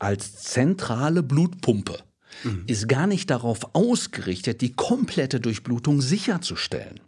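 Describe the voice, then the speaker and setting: A man's somewhat breathy, medium-pitched voice at a very slow pace, with very wide pitch swings. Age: 50s. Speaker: company representative and nutrition expert. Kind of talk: interview conversation. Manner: hesitant with frequent fillers.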